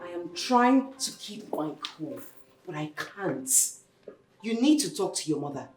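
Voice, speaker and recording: A woman's voice: lowish voice, sing-song, measured pace, echoey room, far from the mic, over loud music, low-quality recording. An actress playing a frustrated young wife who complains about her mother-in-law. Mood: upset. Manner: agitated, complaining.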